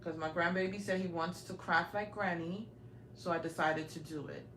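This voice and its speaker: Raised in Brooklyn, New York, a woman in her forties hosts a casual livestream tour of her home on a handheld phone, chatting and speaking directly to her viewers. Her voice is fairly low and a bit bright, with fairly even intonation at a normal speed. The small indoor rooms give the audio a roomy feel with faint noise.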